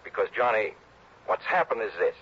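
A man's voice: on the low side, expressive, moderate pace, a bit bright, breathy edge. An actor playing an earnest, slightly hesitant businessman phoning a detective in a 1960s radio drama. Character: businessman calling a detective on the phone. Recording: dull lo-fi old radio broadcast.

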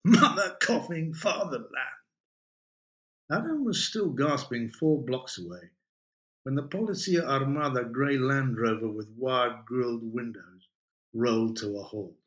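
Male writer reading his story, slow pace, lively intonation, measured delivery. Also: medium pitch. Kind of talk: literary reading.

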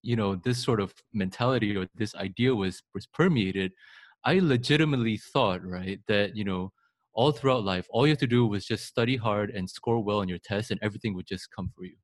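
Guest, male, low voice, rambles with many restarts, dry recording. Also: fairly quick, no echo. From Singapore. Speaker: podcast guest. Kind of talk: casual interview.

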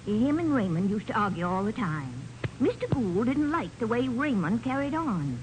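An actress playing a plain-spoken household nurse in a 1940s radio drama, folksy and ungrammatical, given to exclaiming. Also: female voice, on the high side, sing-song, moderate pace. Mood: surprised, gossipy. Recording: noisy 1940s radio recording.

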